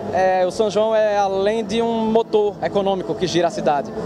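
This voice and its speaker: A high-pitched man talks at a moderate pace with very even loudness and fairly even intonation. The sound is dry with no echo, though background noise is noticeable. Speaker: interviewee. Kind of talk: interview answer. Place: street. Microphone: handheld.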